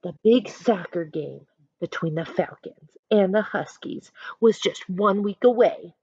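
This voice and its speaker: A woman teacher reading a picture book aloud, pausing to explain things simply and directly to young listeners. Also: mid-range voice, mellow, slightly rough, no echo, dull audio.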